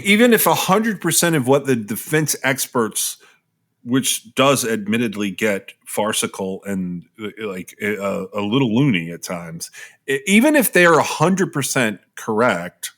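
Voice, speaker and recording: A man of average pitch co-hosts a casual true crime podcast. He agrees readily, hedges his opinions, and jumps in with quick asides. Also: fairly bright tone. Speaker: podcast co-host.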